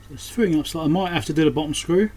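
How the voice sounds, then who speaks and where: A man's voice: fairly high pitch, racing, a little mellow. A man giving casual hands-on repair commentary, muttering and thinking aloud as he works at a workbench. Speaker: electronics repairer presenting his repair. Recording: clear background noise.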